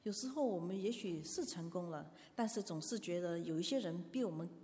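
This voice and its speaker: Woman interpreting a sermon in a church, lowish mellow voice, lots of fillers, echoey hall. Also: lively intonation, fairly quick. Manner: hesitant, with fillers and self-corrections. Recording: long hall reverb.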